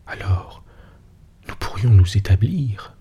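A man voicing a lively, teasing young woman in a breathy near-whisper, as whispered role-play. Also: on the low side, slow pace, muffled recording, exaggerated voice. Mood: eager.

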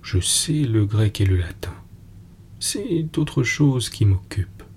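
Give me a calm, secretive fairy governess, as a man reads her. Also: on the low side, takes it slowly, a little hiss or hum. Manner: tranquil, guarded, gently firm. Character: calm mysterious woman governess called a fairy.

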